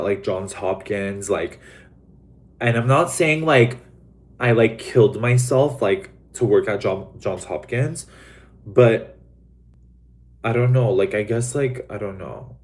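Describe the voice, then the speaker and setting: A young man from Los Angeles hosts a casual livestream, his voice sitting a little low. He rambles, leaning on "like" and "um" constantly, and swears bluntly when he gets going. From Los Angeles, USA. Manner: rambling, many fillers like "like" and "um". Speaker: livestream host. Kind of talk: casual chat to live viewers.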